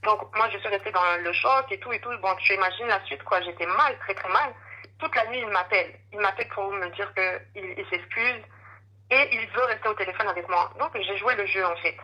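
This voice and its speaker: Husky hushed woman caller. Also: fairly quick, low-quality recording. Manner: hushed, keeps voice low so a sleeping child is not woken. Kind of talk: confiding phone call.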